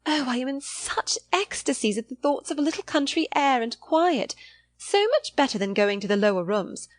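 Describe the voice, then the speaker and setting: An affected, flattering young lady from a period novel, played by a woman narrator. Her voice swings up high and gushes with excitable enthusiasm. It is recorded close and dry. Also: normal speed, no room sound. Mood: gushing. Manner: effusive, gushing.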